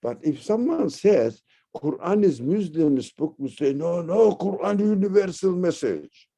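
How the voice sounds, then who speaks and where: A man from Turkey, teaching religion in a discussion, halting and searching for words, then rising sharply to stress key points. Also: high voice, very animated, mellow. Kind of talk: lecture-style discussion.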